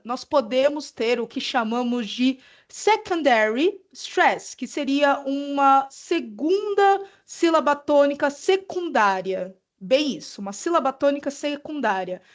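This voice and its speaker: A woman teaching an English pronunciation lesson, explaining patiently and checking in with "ok?". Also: sits high.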